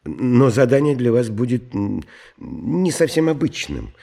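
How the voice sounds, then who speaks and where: A creaky-voiced, suave secretive count. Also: male voice, mid-range voice, very animated, unhurried, dark tone, heavily acted. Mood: courtly, evasive. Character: tall, suave, secretive count interviewing job applicants. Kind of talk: theatrical audio drama acting.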